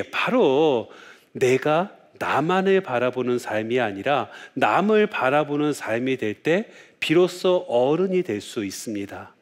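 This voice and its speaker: A Catholic priest with a mid-range voice gives a lecture, telling stories and posing rhetorical questions. He frequently uses "yes" as a filler.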